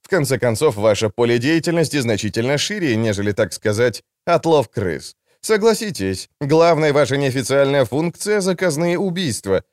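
A smug, talkative schemer lays out his plans in a mocking, unhurried way, as a male narrator puts him on. The voice sits raised and swings widely. It sounds close and dry. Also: mid-range voice, big pitch swings, dry recording, lightly acted. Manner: wordy, mocking, deliberate. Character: sly talkative young man, smug schemer.

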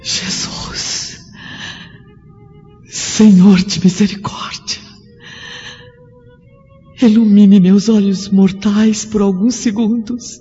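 A woman voicing a devoted young Christian wife who prays softly in a radio play. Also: medium pitch, lightly acted. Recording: dull audio with long reverb and music.

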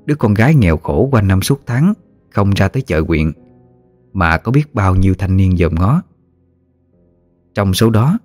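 A man narrating a ghost story in a measured, plaintive way. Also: low voice, darkish tone, dry recording.

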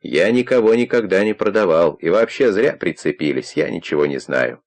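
Male reader voicing a sullen young tough; low, gruff, defiant. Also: animated, moderate pace. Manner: gruff, muttering. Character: sullen defiant young man, prickly and wary.

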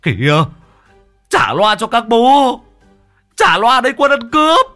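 A man's voice: fairly high pitch, lively intonation, unhurried, no room sound, faint music behind, voice pushed up. A man voicing a panicky, coarse male sidekick who curses and scolds frantically. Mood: frantic, scolding.

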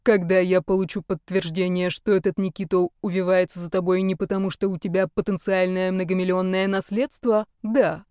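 A woman's voice: fairly low pitch, flat delivery, a little fast, hardly any pauses, dark tone, smooth, dry recording, clean studio sound, close to an everyday voice. A woman reading the lines of a stern, protective middle-aged father who asks short, pointed questions. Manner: curt, interrogating.

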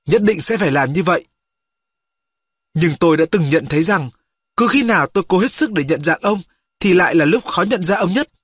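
A man reading a first-person story aloud as an audiobook, steady and storytelling. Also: sits high, brisk, long pauses, breathy edge, no room sound. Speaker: audiobook reader. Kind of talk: scripted narration.

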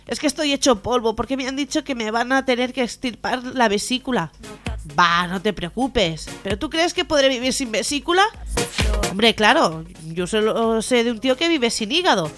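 A woman hosting a radio humor show, telling jokes in a lively way and putting on voices for the characters. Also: a little high. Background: music.

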